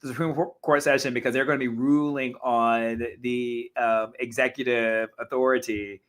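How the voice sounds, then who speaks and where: Slightly hoarse, animated male talk host. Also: mid-range voice, normal speed. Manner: animated, frequent restarts and self-corrections. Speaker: talk show host reading viewer comments. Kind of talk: casual live-stream commentary.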